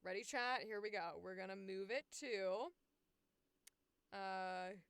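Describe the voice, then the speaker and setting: A woman's voice: medium pitch, slow pace, a bit bright, clean tone, no room sound. A woman hosting a casual livestream, chatting informally and giggly as she addresses her viewers. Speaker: livestream host and voice actor. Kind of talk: casual livestream chat, signing off.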